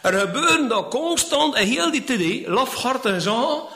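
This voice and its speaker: A man's voice: very high voice, sing-song, normal speed, sharp tone, roomy sound. A man teaching from the Bible, retelling scenes in voices and tagging his lines with little questions. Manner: retells scenes in acted voices, with frequent "hè?" tags. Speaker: preacher.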